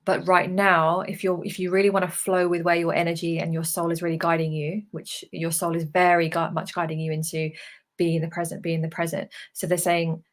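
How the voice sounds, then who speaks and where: A woman speaking as a spiritual medium in a live channeling session, relaying guidance in a halting, emphatic way with repeated phrases. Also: lowish voice, flat delivery. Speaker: spiritual channeler relaying messages from guides to viewers.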